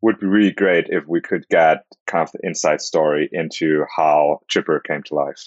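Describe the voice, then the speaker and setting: A deep-voiced man hosts an interview, asking his guest measured questions and hedging with "kind of". The recording is dry and a bit dull. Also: steady tone, no room sound. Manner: measured, uses hedges like "kind of". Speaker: interview host.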